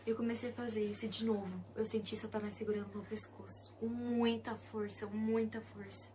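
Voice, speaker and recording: Soft-spoken young Brazilian woman. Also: fairly high pitch, slight background noise. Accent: Brazilian Portuguese. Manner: soft and intimate, often dropping to a hushed whisper. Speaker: Christian testimony speaker. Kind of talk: personal testimony.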